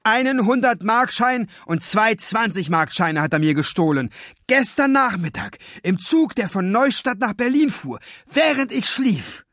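A furious, honest young boy insists and shouts, almost in tears, as a male storybook reader puts him on. The voice sits high and swings wildly in pitch. It is recorded close and completely dry. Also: sing-song, unhurried, dry recording, heavily acted. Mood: insistent.

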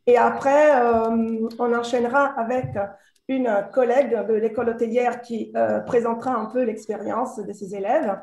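A woman's voice: fairly high pitch, fairly even intonation, moderate pace, darkish tone. A woman hosting an online meeting, giving semi-formal introductions in hesitant phrases over a video call. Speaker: host, moderator. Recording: roomy, echoey video call.

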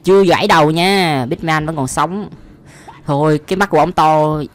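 Speaking at a normal speed in a steady tone, a young man with a Southern Vietnamese accent and a voice on the high side offers reaction commentary as a video host. He's casual and slangy, exclaiming and laughing often.

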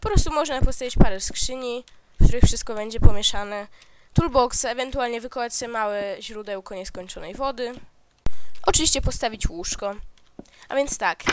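A man hosting a game tutorial voice-over, explaining step by step and correcting himself as he goes. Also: very high voice. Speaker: gaming channel host. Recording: noisy home recording with mouse clicks.

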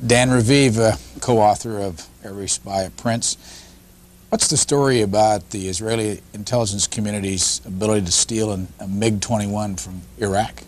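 A man's voice: fairly low pitch, steady tone, moderate pace. A middle-aged man hosting a television interview, asking brief, direct questions in a studio. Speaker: interview host.

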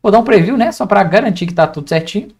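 Fast-talking young Brazilian man. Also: sits high, expressive, a little mellow. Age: young adult. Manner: frequent checking tags while explaining. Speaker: data engineering instructor. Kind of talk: informal step-by-step software tutorial. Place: indoors at a computer, screen recording with webcam.

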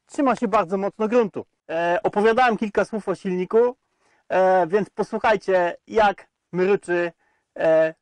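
A Polish man in his thirties walks around a tractor in a field, presenting a product test outdoors. His voice sits high and the recording is dry. He fills the gaps between facts with frequent hesitation sounds.

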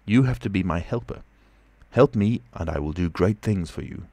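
A man's voice: deep voice, animated, moderate pace, vocal fry, mellow, no echo, full character voice. A man doing a commanding, menacing stranger. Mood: urgent. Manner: urgent, domineering. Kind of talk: audiobook character voice.

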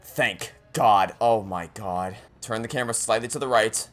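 A man's voice: on the low side, moderate pace, soft background music. A man giving casual gaming commentary in an exasperated, sweary way, repeating words anxiously. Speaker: video game streamer.

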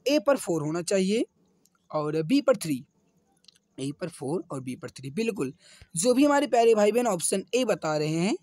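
A man with a slightly hoarse throat teaching exam questions online, repeating himself and addressing viewers as dear friends. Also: sits high, darkish tone, no room sound. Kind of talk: online quiz lesson with answers explained.

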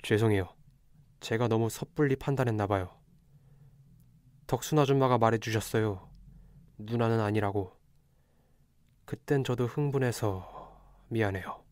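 A man's voice: on the low side, unhurried, long pauses, darkish tone, dry recording, close to an everyday voice. A young man acting a polite but calculating amateur detective in a radio drama. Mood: apologetic. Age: young adult.

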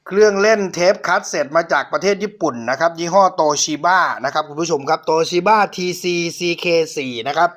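A middle-aged man whose voice sits on the high side with a fairly bright tone hosts his own channel. Politely and casually, he shows an old cassette player for sale, often speaking right to his viewers.

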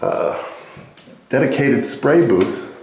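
A man hosting an informal walk-through of his shop, casual and a little halting as he thinks aloud. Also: mid-range voice, animated, slight background noise. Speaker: woodworking video host. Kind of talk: informal narrated shop tour. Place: indoor wood workshop. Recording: echoey workshop room.

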